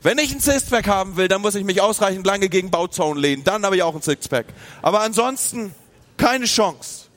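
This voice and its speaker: A man's voice: sits high, brisk. A man preaching a sermon, from northern Germany, talking straight to his listeners and acting out their inner voices. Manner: lively, speaks to the listener directly, acts out inner voices. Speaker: pastor.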